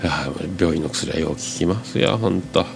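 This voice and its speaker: Low nasal fukuoka guy with a head cold, rambly podcast chat, gravelly, music behind him. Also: moderate pace, noisy background. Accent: Fukuoka Japanese. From Fukuoka, Japan. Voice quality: nasal, congested voice. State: has a cold. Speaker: podcast host. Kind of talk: casual solo podcast talk.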